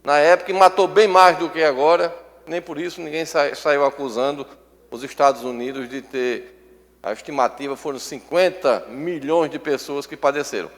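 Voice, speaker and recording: High-voiced man speaking haltingly. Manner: measured, hesitant, with many pauses. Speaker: state legislator. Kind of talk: parliamentary floor speech. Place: legislative assembly chamber. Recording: long reverb of an assembly chamber.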